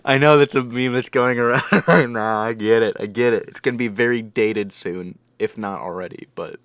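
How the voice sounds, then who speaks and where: A man hosting an anime reaction, talking casually in a halting, rambling, joking way. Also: medium pitch, lively intonation, a bit bright, no room sound. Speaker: anime reviewer and reaction host.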